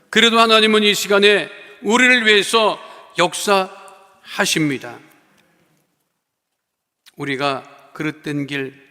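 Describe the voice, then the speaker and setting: A male pastor preaching and praying fervently, with emphatic declarations that swell loud and fall soft. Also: sits high. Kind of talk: sermon and fervent prayer. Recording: long church reverb.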